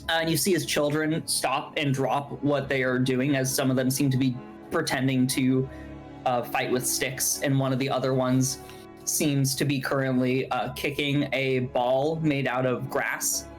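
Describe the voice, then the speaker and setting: A woman's voice: extremely low pitch, flat delivery, a little slow, soft background music, low-quality recording. A woman narrating a tabletop game as game master, describing scenes at length with many fillers.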